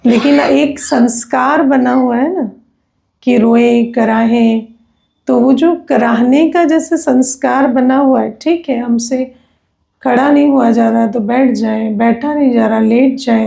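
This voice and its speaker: A woman's voice: fairly high pitch, measured pace, creaky, dark tone. A woman, a spiritual teacher giving a conversational discourse that is full of tag questions and personal anecdotes.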